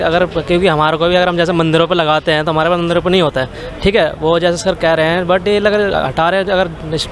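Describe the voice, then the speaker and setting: A man giving his opinion in an outdoor street interview, repeating himself as his phrases tumble out. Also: high voice. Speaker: member of the public being interviewed.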